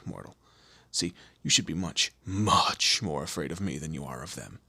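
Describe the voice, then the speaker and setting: A man playing a commanding, teasing demon lord in an audio roleplay, with a low gravelly, husky voice and an imperious, theatrical manner. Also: bright, forceful tone, no room sound, full character voice. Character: male demon lord, commanding, menacing, teasing boss of hell. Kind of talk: scripted audio roleplay addressed to the listener.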